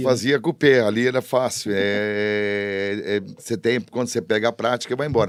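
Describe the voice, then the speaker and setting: A man talks at a moderate pace in an unremarkable speaking voice, medium in pitch, with fairly even intonation and hardly any pauses. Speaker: rodeo announcer and radio host. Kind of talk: podcast interview answer.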